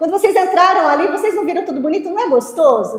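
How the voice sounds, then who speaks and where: A woman with a São Paulo interior accent and lively intonation, amid audible room echo. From interior of São Paulo state, Brazil (São José dos Campos). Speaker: women's conference speaker. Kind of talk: conference talk.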